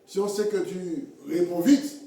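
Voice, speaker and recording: A man preaching a sermon in a halting way, repeating words and acting out little everyday scenes. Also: sits high, fairly even intonation, warm tone. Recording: echoey hall from far off.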